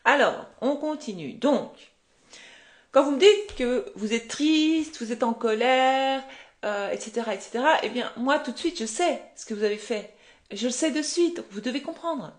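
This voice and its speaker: A woman's voice: fairly high pitch, lively intonation, normal speed. A woman coaching viewers on a live stream from home, conversational and explanatory, acting out quotes and asking rhetorical questions. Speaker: manifestation coach.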